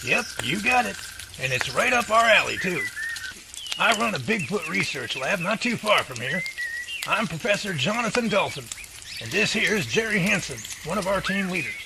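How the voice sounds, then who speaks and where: Guy acting as a chatty folksy professor, jovial, creaky voice, loud birdsong and outdoor noise behind. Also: sits high, very animated, moderate pace, exaggerated voice. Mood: folksy, eager. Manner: folksy, theatrical, long-winded. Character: folksy, jovial, wordy male Bigfoot research professor. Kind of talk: audio drama acting.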